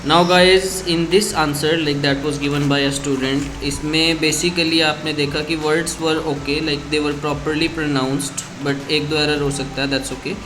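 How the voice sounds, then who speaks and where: A man's voice: a little high, little pitch movement, quick pace, few pauses, noisy background. A man with an Indian accent, speaking as an English test tutor in an instructional, read-aloud lesson style. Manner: code-switches between English and Hindi. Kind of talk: instructional talk mixed with read-aloud demonstration.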